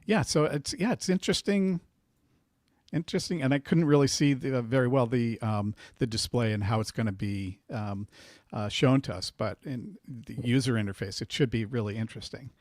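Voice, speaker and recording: A man on a casual panel chat who talks hesitantly, with many pauses and restarts. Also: medium pitch, a little mellow, no room sound, clean studio sound.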